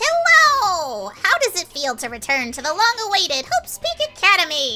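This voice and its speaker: A put-on character voice at an extremely high pitch, swinging very widely in pitch at a moderate pace, with faint music in the background. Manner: cheerfully sinister, mocking.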